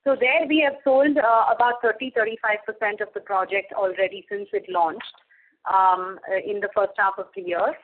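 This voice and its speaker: A woman executive with an Indian accent speaks over a thin, narrow phone connection. She answers in a measured, business-like way at a middling pitch, as on an earnings conference call. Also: fairly even intonation. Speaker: company executive. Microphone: telephone conference call. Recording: tinny, narrow phone line.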